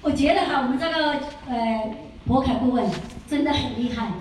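A woman, a skincare consultant telling lively stories at a seminar, chatty and animated, laughing often and quizzing her audience. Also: sits high, normal speed, slight background noise. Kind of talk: lively storytelling lecture. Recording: very echoey room from far off.

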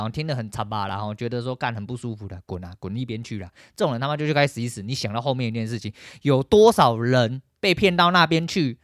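Taiwanese-accented man, solo podcast host, angry profane rant, rapid delivery, dry close sound. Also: medium pitch, a bit bright, no echo. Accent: Taiwanese Mandarin.

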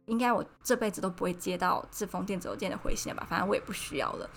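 A young woman tells a personal story in a casual podcast monologue, acting out the people she quotes in a higher voice. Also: rapid-fire, a little hiss or hum. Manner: animated, acts out quoted people with raised pitch. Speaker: podcast host.

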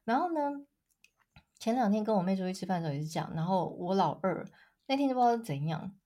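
A woman, co-hosting a casual chat podcast and telling stories in a lively way. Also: quick pace. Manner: animated storyteller, acts out quotes with big pitch jumps. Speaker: podcast co-host.

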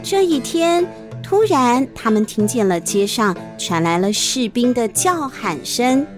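With a slightly high, sing-song voice and a somewhat slow pace, a woman storyteller and host reads a children's storybook conversationally. She stops for explanatory asides marked by sentence-final particles, and faint music sits in the background.

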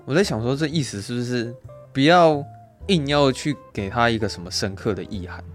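A man's voice: mid-range voice, lively intonation, a little fast, faint music behind. Laughing, swearing man. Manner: laughs often, swears casually, acts out quotes. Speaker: podcast co-host. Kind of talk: casual film chat.

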